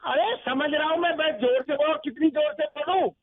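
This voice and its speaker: A man's voice: extremely high pitch, a little fast, no room sound, phone-quality sound. An older man who is the target of a prank call, growing exasperated and repeating hello.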